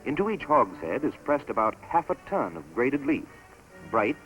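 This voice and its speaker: A man giving scripted narration for a promotional documentary film in a measured, stately announcer delivery. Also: mid-range voice, big pitch swings, a bit bright, poor audio. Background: orchestral music score.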